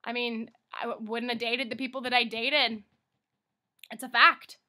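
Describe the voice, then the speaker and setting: A woman in her thirties, a weight-loss coach, talking straight to camera in an emphatic, exclamatory way, moving between loud pep talk and soft confession. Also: fairly high pitch, flat delivery, measured pace. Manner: emphatic, exclamatory, pleading with the viewer. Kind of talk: casual direct-to-camera testimonial.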